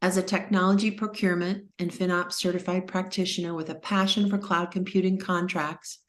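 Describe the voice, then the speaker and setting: A woman hosting an online panel, reading formal introductions of each speaker in a measured way. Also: on the low side. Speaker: event host introducing panelists. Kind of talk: scripted introductions read aloud.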